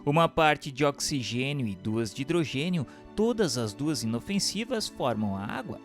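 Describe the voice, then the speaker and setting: Brazilian man narrating with lively, varied pitch. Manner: formal, measured, didactic. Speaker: narrator reading a religious treatise. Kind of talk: scripted audiobook narration for radio. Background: instrumental music.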